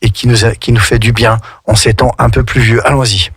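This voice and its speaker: A man's voice: medium pitch, little pitch movement, a little fast, loud music behind the voice. A man with a French accent teaching English on the radio, patiently explaining lyrics and spelling words out letter by letter. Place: radio studio.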